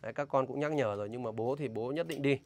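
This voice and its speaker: A man's voice: medium pitch, fast talker, darkish tone, slight background noise. A man with a northern Vietnamese accent vlogging outdoors, talking emphatically and indignantly as he warns about a scam and questions a local. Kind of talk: casual outdoor vlog talk, interviewing a local.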